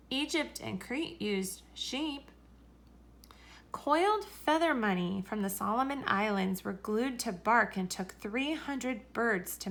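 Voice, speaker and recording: A woman reading a children's story aloud in a deliberate, expressive way. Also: on the high side. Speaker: story reader.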